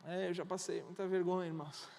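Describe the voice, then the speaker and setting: A man's voice: sits high, little pitch movement, fast, gravelly, a little mellow. A Brazilian man preaching as a pastor, retelling a conversation and acting out both sides as he tells the story. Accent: Brazilian Portuguese. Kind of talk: sermon with retold dialogue. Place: church hall. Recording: reverberant church hall, instrument behind.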